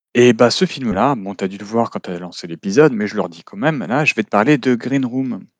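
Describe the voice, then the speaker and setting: Over a quiet background, a man of medium pitch talks at a fairly quick pace with lively intonation and big swings in loudness, the sound dry and close with no echo. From France. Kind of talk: casual solo film review. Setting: home office. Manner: hesitant, many fillers.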